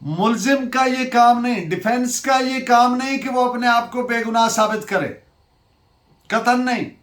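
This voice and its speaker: A woman's voice: fairly high pitch, a little slow. A woman with a Pakistani accent giving a didactic law lecture, asking and answering her own questions and switching into English terms. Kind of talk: law lecture, dictating case citations. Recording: echoey room sound.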